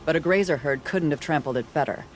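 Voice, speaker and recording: An actor playing a scarred older tribal hunter in a video game, gruff, blunt and dismissive. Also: male voice, on the high side, fast talker, slight background noise, natural voice.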